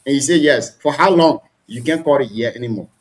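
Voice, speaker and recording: A Liberian man argues politics as a talk show panelist, animated and argumentative, often repeating words as he starts a point. His mid-range voice moves briskly.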